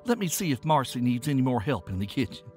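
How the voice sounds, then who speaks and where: A man voicing a quiet, plain-spoken countrywoman. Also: mid-range voice, sing-song, fast, soft background music, close to an everyday voice. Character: practical, quiet Appalachian countrywoman.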